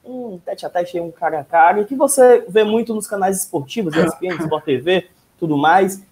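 A man's voice: high-pitched, moderate pace, darkish tone, a little hiss or hum. A man in his thirties hosting a casual live sports talk over a video call. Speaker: host. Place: room at home, indoors. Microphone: wired earphone mic on video call.

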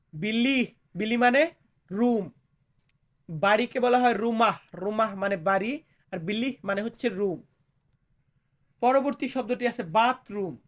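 A man teaching vocabulary in a slow lesson, repeating each word and its meaning with care. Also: high voice. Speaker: language teacher.

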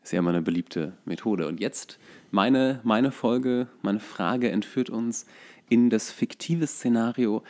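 A man co-hosts a podcast in a loose, conversational way. His voice sits at a medium pitch. He talks casually and with a joking manner. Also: a little slow, darkish tone. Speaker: podcast co-host. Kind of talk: casual chat.

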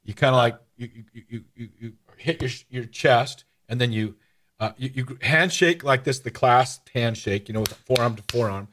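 A middle-aged man hosting a radio interview, telling stories in a lively, casual way with many restarts and fillers. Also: medium pitch, moderate pace. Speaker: host.

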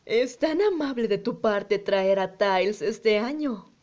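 A woman's voice: mid-range voice, animated, slow. Woman as a sweet, firm cartoon hedgehog mom. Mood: cheerful, hospitable. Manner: polite, motherly, gently insistent. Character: sweet but firm middle-aged mother hedgehog, cartoon.

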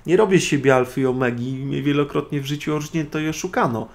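A man's voice: fairly high pitch, quick pace. A man hosting an internet radio show, speaking in a sardonic, opinionated monologue to his listeners. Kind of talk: solo spoken monologue.

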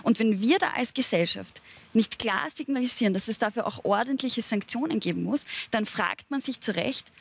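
A woman's voice: a little high, moderate pace, gravelly, slightly rough. A woman speaking firmly and indignantly as a guest on a studio panel debate. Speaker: talk show guest.

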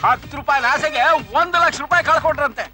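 Fast-talking news gossip, very high bright voice. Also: male voice, soft background music, heavily acted. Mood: excited. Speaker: gossiping neighbour.

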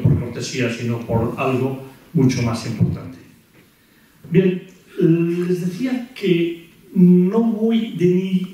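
A man in his sixties with an accent from Spain, lecturing in a deliberate, rhetorical way with repetitions and pauses. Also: medium pitch, darkish tone. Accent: Spanish from Spain. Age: 60s. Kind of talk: philosophy lecture to an audience. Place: lecture hall at a table. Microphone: gooseneck table microphone. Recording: very echoey hall, distant miked voice.

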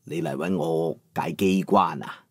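A man voicing a calm elderly master craftsman in a Cantonese audiobook, speaking in a flat, unhurried, placid way with a Cantonese accent. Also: sits low, slightly rough, no room sound, clean studio sound, pitched below the performer's own voice, exaggerated voice. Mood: calm, measured. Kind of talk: audiobook character voice.

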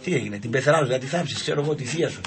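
A man telling comic anecdotes on a radio show, acting out voices in his stories. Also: mid-range voice. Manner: animated, acts out voices in anecdotes. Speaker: radio show guest storyteller. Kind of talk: casual comic storytelling. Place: radio studio.

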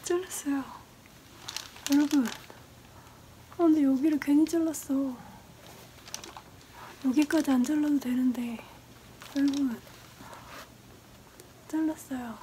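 A woman's voice: high-pitched, fairly even intonation, takes it slowly, pauses often, low-quality recording. A woman chatting casually and informally in a DIY vlog, partly talking to herself as she works. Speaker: video creator and host. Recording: loud crinkling, clicking handling noise.

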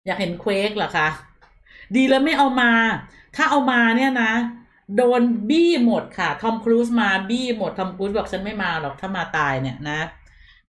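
Chatty Thai-speaking woman streamer, roomy sound. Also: medium pitch. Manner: chatty, reads out viewer chat. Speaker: streamer host. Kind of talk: casual live-stream chat.

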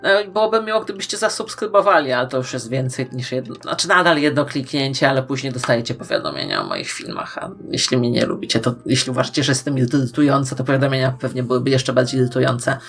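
A woman hosting online fan commentary, playful and emphatic, with dramatic pauses. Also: extremely low pitch, expressive, creaky, slightly rough. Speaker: YouTube host. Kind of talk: scripted fan-theory commentary to viewers.

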